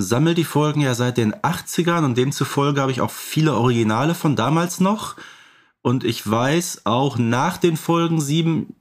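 A middle-aged man explaining things casually as a podcast co-host. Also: fairly high pitch. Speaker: podcast co-host and expert collector.

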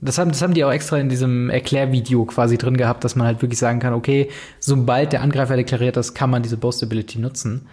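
A man's voice: medium pitch, fairly even intonation, fast talker, few pauses, darkish tone. A man co-hosting a casual podcast, talking hesitantly with many fillers and often agreeing. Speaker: podcast co-host. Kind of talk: casual podcast chat about card games.

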